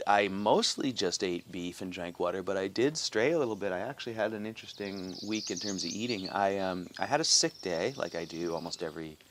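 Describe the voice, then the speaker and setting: A middle-aged man with a notably deep voice talks to his viewers in an upbeat, rambling morning chat. He fills pauses with "um" and restarts his sentences. He is recorded outdoors by his house, with faint birds and crickets behind him. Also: slight background noise. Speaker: vlog host. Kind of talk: casual morning video diary.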